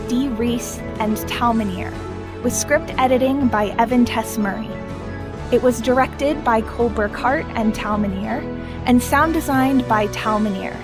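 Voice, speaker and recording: A woman reading scripted end credits as an announcer. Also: a little high. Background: music.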